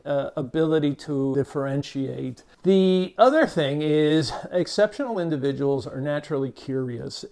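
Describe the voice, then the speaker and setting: Measured older man with a Cuban-American accent. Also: fairly high pitch, darkish tone. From Cuba, raised in Miami. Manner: measured, unhurried, with many "uh" fillers and small restarts. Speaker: behavior expert, channel host. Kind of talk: reflective talk to camera.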